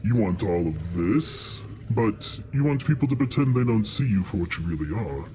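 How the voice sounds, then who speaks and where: A man's voice: lowish voice, lively intonation, moderate pace, dark tone, a little hiss or hum, close to an everyday voice. A man voicing a proud, sly young black dragon in a tabletop game, drawling with scorn for mortals as he bargains. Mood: sly, bargaining.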